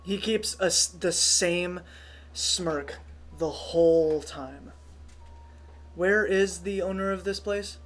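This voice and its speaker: A man's voice: sits high, takes it slowly. A man running a tabletop game as game master, talking casually and swearing a lot. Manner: casual, swears a lot, gets loud and excited.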